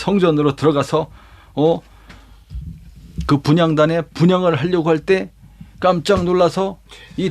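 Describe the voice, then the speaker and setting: Animated high-voiced male pastor. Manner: dramatic, with vivid sound words and rhetorical questions; acts out quoted lines himself. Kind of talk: animated Bible lesson storytelling.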